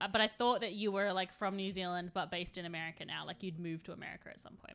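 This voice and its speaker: A woman speaking at a very fast pace, medium-pitched with fairly even intonation, big swings in loudness, and a slight Canadian accent. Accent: slight Canadian twang. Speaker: streamer, game master. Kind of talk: casual live stream chat. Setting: live stream at home. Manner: chatty, relaxed.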